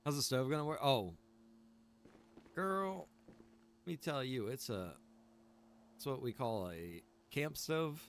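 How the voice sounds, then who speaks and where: A man's voice: medium pitch, expressive, slow, long pauses, slight background noise. A man chatting casually while livestreaming a survival game, joking in a laid-back way and laughing often. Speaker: live streamer playing a survival roleplay game. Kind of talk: casual gaming livestream chat.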